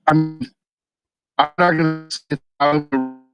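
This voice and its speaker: A man's voice: fairly high pitch, steady tone, normal speed, over music. A man talking casually about sports as a radio co-host, calling in on a cell phone whose connection keeps breaking up. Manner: conversational, with frequent fillers.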